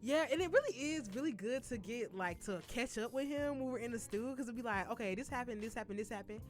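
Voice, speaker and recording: A young woman co-hosting a casual college radio chat, animated and quick to laugh, full of slang. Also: fairly high pitch, soft background music. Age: young adult. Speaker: co-host. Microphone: studio mic.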